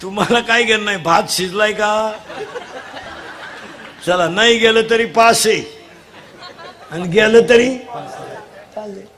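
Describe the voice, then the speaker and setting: A man leading a comic devotional kirtan, teasing the crowd and quizzing children, urging them to answer loudly. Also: high voice, slow pace, pauses often. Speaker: kirtan preacher. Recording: live crowd with faint noise.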